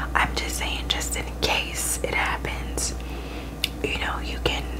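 A woman whispers in a soft-spoken way. Loud background noise surrounds her. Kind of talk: role-play roleplay chat to viewer. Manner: soft ASMR whisper, sassy attitude. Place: home room. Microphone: webcam.

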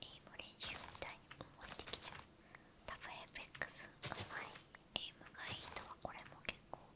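Whispering at a fairly quick pace. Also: woman. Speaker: ASMR game streamer. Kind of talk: whispered ASMR gameplay commentary. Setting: low-quality earphone mic. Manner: whispered. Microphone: earbuds.

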